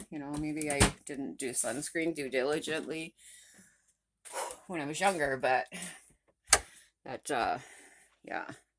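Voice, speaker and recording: The woman talks at a moderate pace. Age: 50s. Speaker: vlogger. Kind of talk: casual vlog monologue. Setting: at home, in bathroom. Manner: rambling, halting with repetitions.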